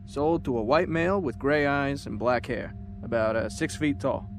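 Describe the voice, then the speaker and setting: A man's voice: medium pitch, normal speed, background noise, close to an everyday voice. An actor playing an easygoing, cocky male investigator in an audio drama, talking casually. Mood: matter-of-fact.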